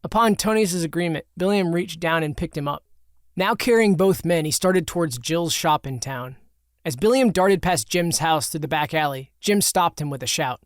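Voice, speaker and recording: Male audiobook narrator, slightly high voice, steady storytelling, dry close recording. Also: moderate pace, no room sound.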